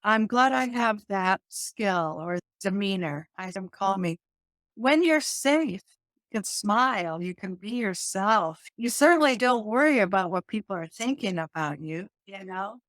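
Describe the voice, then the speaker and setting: A middle-aged woman, a yoga teacher and hypnotist, talking animatedly in an interview, often laughing and restarting her sentences, with a calming voice. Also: medium pitch, unhurried, dry recording. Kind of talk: conversational interview.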